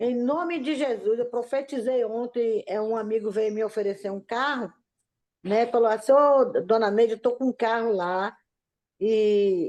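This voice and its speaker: Against a quiet background, a woman speaks at a moderate pace in a normal speaking voice. Her pitch is fairly high, with ordinary variation. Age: 60s. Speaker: devotional group participant. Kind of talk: testimony.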